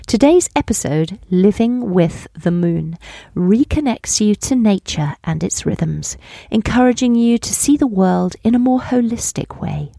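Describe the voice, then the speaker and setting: A woman hosting a podcast, reading a gentle scripted introduction and sometimes dropping into a whisper. Her voice carries a light gravelly edge, and the studio sound is dry and close. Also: medium pitch, lively intonation, measured pace, no echo. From United Kingdom. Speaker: podcast host.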